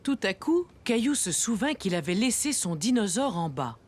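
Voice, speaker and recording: A woman playing a gentle storyteller, narrating a children's cartoon. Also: mid-range voice, big pitch swings, moderate pace, husky. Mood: storytelling.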